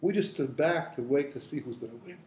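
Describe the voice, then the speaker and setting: A man playing an old Hasidic rebbe in a story, solemn and unfazed, speaking quietly. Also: mid-range voice, brisk, echoey room, slight background noise, lightly acted.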